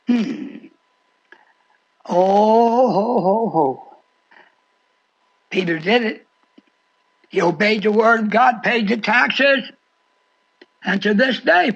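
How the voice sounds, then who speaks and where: Elderly male preacher in his 80s, very high husky voice, theatrical folksy delivery, muffled lo-fi radio sound. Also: fairly bright tone. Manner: theatrical, acts out dialogue, repeats phrases for emphasis. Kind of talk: folksy storytelling sermon. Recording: dull lo-fi shortwave radio sound.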